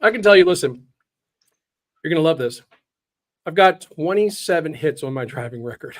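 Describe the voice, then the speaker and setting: A man's voice: on the high side, moderate pace. A man hosting a casual live interview, asking questions and telling upbeat stories of his own. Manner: upbeat, animated storyteller. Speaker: host.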